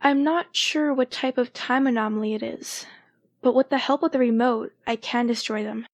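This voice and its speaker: A woman's voice: on the high side, steady tone, normal speed. A woman acting an earnest, matter-of-fact young woman in an audio drama.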